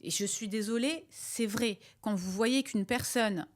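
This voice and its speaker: A woman's voice: fairly high pitch, unhurried. A woman hosting a casual, opinionated podcast, speaking emphatically and repeating herself to drive points home. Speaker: podcast host and video content creator.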